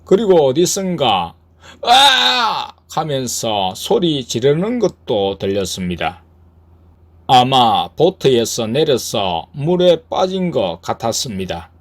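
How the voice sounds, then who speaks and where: A man narrating a church testimony in a calm, earnest scripted reading. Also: mid-range voice, slow.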